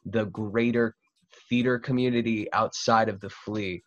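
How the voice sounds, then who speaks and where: A young man with a fairly low voice chats casually as the host of an online roundtable. He talks in a gushing, slangy way. The sound is dull and lo-fi, like a video call from home. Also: steady tone, unhurried, fairly bright tone. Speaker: podcast host. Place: cluttered room at home, indoors. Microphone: video call, computer mic.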